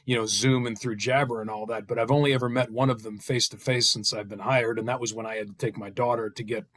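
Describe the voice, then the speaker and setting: A middle-aged man chatting casually on a video call, often pausing partway through his sentences. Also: medium pitch, flat delivery, fairly bright tone. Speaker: table read participant. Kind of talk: casual chat.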